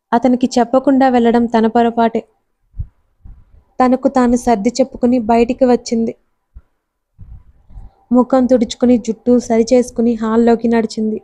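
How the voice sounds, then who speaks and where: A woman narrates a story in a measured, scripted reading. Her voice is fairly high yet mellow and dark in tone, and it barely rises or falls.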